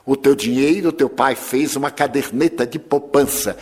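A haughty, cold rich mother, put on by a man. She speaks curtly and dismissively in a lowered voice. It is storytelling with acted voices. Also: moderate pace, husky, close to an everyday voice. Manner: curt, dismissive.

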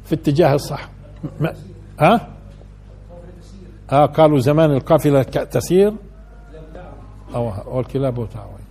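A man's voice: mid-range voice, moderate pace, pauses often, warm tone, breathy edge. An older man giving a conversational Quran lesson, asking his listeners questions and building to emphatic peaks. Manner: conversational lecturing, asks the audience questions, rises to emphatic peaks. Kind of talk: colloquial religious lesson.

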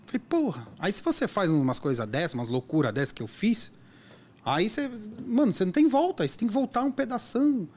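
Brief: male driver, casual storyteller, quick and very animated. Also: sits high. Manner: animated storyteller, acts out quotes. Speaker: app driver. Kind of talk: casual chat.

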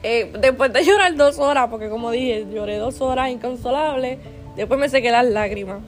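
Young woman rambling thru a story, lots of restarts, bit high voice, soft music under. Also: moderate pace. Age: 20s. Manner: chatty, rambling with many restarts and fillers; earnest, faith-minded advice giver. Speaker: vlogger. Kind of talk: casual personal storytelling.

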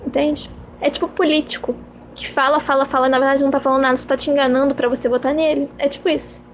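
A woman's voice: high voice, little pitch movement, quick pace, slight background noise. A young woman hosting her own podcast, musing and rambling in a self-mocking, repetitive way. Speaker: podcast host. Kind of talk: casual rambling monologue.

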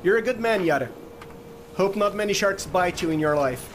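A man doing a high-pitched, earnest, kindly sailor. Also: lively intonation, normal speed, a little hiss or hum. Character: kind, shaken, oddly earnest sailor.

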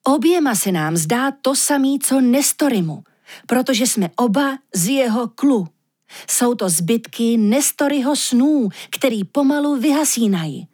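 A woman voicing an anxious male magic reindeer who talks in a slangy, pleading way, with a husky voice. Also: a little high, animated, darkish tone, voice pushed up. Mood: urgent, pleading.

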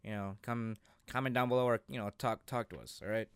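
Halting young man co-hosting, in a dry recording. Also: medium pitch, steady tone, clean tone, no echo. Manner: halting, repeats words as he searches for phrases. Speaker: co-host of an anime discussion show. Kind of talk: casual chat.

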